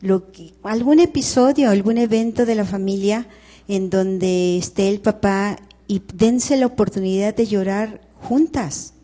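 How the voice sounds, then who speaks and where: Mexican woman counselor, calm and instructive, fond of rhetorical questions. Warm, dark tone in a reverberant hall. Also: medium pitch, a little slow. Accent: Mexican Spanish. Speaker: grief counselor leading a workshop. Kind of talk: counseling talk to an audience. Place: large hall at a live workshop. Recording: live stream, long hall reverb.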